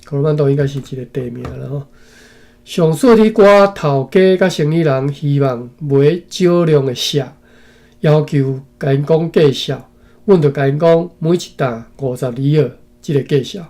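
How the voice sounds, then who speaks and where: A man from Taiwan with a mellow, fairly high voice reads an old text aloud. He goes phrase by phrase and breaks off for asides to his listeners, often ending them with a tag particle. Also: normal speed, creaky. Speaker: reader and commentator. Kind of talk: reading a historical text aloud with commentary.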